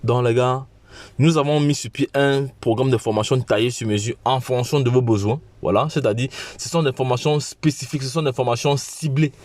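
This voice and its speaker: A man with a cold giving an informal promotional pitch as a channel host, halting and often repeating his phrases. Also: steady tone, darkish tone. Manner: halting, repetitive, with frequent restarts. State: has a cold.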